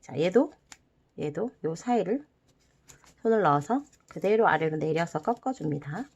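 A woman hosting a children's origami tutorial, speaking gently and cheerfully through each fold step by step. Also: fairly low pitch, animated, moderate pace, breathy edge, highs cut off. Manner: gentle, soft-spoken, cheerful with playful sound effects. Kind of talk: step-by-step craft instruction for children. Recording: faint background music.

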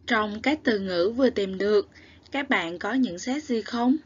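A woman teacher with a southern Vietnamese accent addresses young children in a slow, patient recorded lesson. She draws out each sound as she spells, asks gentle questions, and praises the class. Her voice sits in a middle pitch, and the recording sounds slightly dull and muffled. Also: husky. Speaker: primary school teacher.

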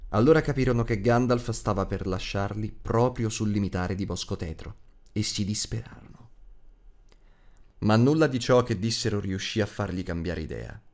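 A man narrating an audiobook in an expressive storytelling style. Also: fairly low pitch, normal speed.

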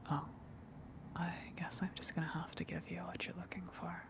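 A woman voicing a friendly eldritch monster in an ASMR roleplay, in a breathy whisper with a halting, coy, gently teasing manner. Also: on the low side, monotone. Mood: teasing, dominant.

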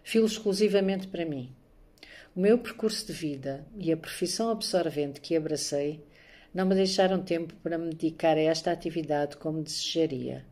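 A middle-aged woman, introducing herself and reading her poems in a measured, soft-spoken way, recorded on a phone at home. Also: low voice. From born in Angola, raised there. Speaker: poet and maths teacher. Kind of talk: self-introduction and poetry reading. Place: home room, indoors. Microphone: phone camera at arm's length.

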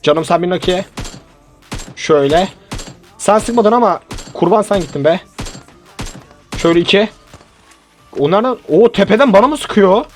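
Young male gaming streamer, excitable and joking, fairly high voice, gunfire and soft music underneath. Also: moderate pace, long pauses. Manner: excitable, joking, talks to teammates and viewers. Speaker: gaming YouTuber. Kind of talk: live mobile game commentary. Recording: game sounds and music behind.

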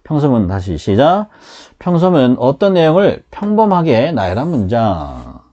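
Male grammar teacher for beginners, animated delivery, mellow tone, a little dull sound. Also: mid-range voice, moderate pace. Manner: lively, drills students with call-and-repeat. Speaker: English teacher.

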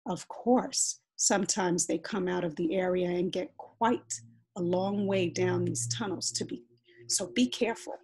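A woman voicing a patient, unhurried craftsman who speaks calmly. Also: fairly low pitch, a little hiss or hum, rough recording. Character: calm, endlessly patient older craftsman.

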